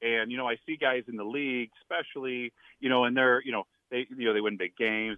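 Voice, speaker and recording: A man speaks at a medium pitch. He has a Midwestern US accent. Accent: US Midwest. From Indiana. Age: 50s. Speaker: former football player and farmer. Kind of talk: casual interview. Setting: phone call.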